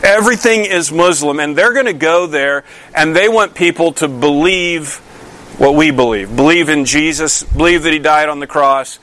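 A man's voice: on the high side, moderate pace, fairly bright tone. A male pastor delivering a conversational sermon, asking his listeners many questions and often restarting his sentences. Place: church.

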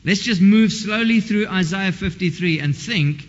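A man's voice: sits high, a little slow. A man preaching a sermon in a conversational, informal way, often breaking off and restarting his sentences. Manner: conversational, self-interrupting and informal. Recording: dull lo-fi sound with long hall reverb.

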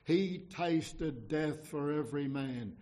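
A man's voice: fairly high pitch, slow pace, warm tone. A man preaching an evangelical sermon in an earnest, exhorting manner, often repeating phrases and posing questions.

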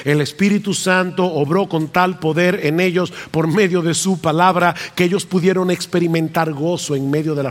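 An Argentine man preaching a sermon, his voice pitched high and pushing upward on the lines he stresses. He speaks with an earnest pastor's conviction. The sound carries a long reverb, as in a large church hall. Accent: Argentine Spanish. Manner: earnest preaching, rising emphasis on key phrases.

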